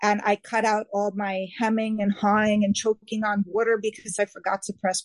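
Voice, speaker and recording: In a New York accent, a woman with a fairly high pitch speaks at a fairly slow pace in a dry, close sound with no echo. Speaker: fanfic writer and fan.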